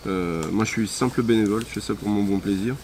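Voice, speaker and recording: A man's voice: on the low side, quick pace, a little mellow, slight background noise. A man who leads a volunteer sports group, answering interview questions outdoors in a hesitant way with frequent fillers. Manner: hesitant, many "euh" fillers. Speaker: volunteer sports association president. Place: outdoors at a rural hamlet.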